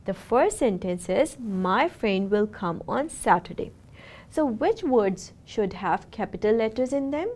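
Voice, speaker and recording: A woman reading a scripted classroom lesson, slow and careful, sounding out words for young pupils. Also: medium pitch, darkish tone. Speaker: teacher.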